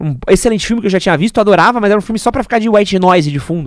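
A man speaks very fast in a high voice, animated and with lively intonation. The sound is dry with no echo, and the background is quiet. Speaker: reaction YouTuber reading Reddit stories. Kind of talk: casual comedic reading and commentary of a Reddit story; angry rant, shouting swearing at the story's character. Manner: animated, jokey, sarcastic; loud, shouted, furious, aggressive, ranting with heavy profanity. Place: studio. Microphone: studio mic.

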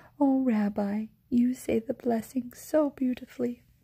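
The speaker is soft-spoken and talks at a fairly slow pace against a quiet background. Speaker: ASMR storyteller. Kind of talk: read story. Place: home room. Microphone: phone near.

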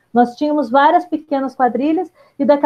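High voice from a woman, its intonation fairly even. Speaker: public prosecutor. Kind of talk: panel discussion. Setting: video call. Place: home room. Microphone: video call.

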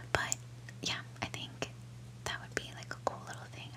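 A soft-spoken woman whispering at a fairly slow pace, with noticeable background noise. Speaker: vlogger. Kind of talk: casual vlog chat. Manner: soft close whisper, ASMR ramble. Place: home room. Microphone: earbuds.

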